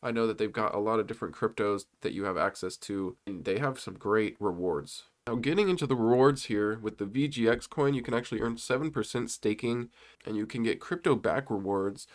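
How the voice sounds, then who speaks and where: A man's voice: on the low side, brisk. A young man with a congested voice, rambling loosely through stock and crypto slides in a casual commentary. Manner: loose and rambling, with many fillers and restarts. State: congested from a cold.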